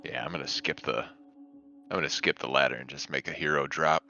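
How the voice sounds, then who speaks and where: A man playing a tabletop roleplaying game, joking casually in a deadpan way on a lo-fi mic. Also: very deep voice, moderate pace, gravelly. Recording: lo-fi mic with faint music.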